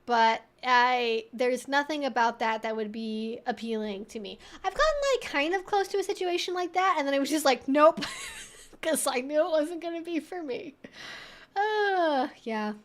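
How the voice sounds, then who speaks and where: A woman's voice: high voice, expressive, moderate pace. A woman hosting a livestream, talking casually and wryly as she reacts aloud to chat messages. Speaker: livestream host answering viewer chat.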